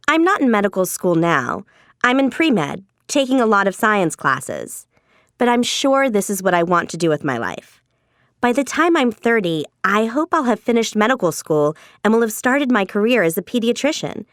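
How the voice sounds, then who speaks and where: A determined young pre-med student. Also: female voice, medium pitch, very animated, moderate pace, fairly bright tone, no echo, clean studio sound. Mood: confident.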